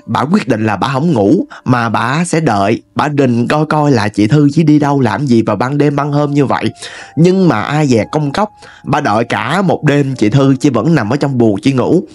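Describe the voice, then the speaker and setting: Animated Southern Vietnamese male storyteller. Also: mid-range voice. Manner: animated, chatty, addresses listeners directly. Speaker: ghost story narrator. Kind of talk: storytelling narration.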